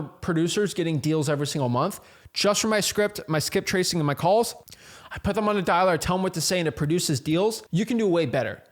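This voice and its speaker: A young man with a notably high voice gives an energetic motivational talk to camera. His speech is casual and slangy, with frequent repeats and restarts as he coaches real estate wholesalers.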